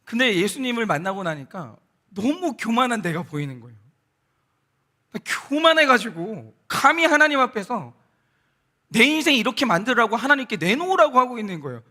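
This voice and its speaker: A man, a pastor, giving a Sunday sermon in a church, telling a story and quoting people in a softer voice, with bursts of excitement. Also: extremely high pitch, moderate pace. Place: church sanctuary.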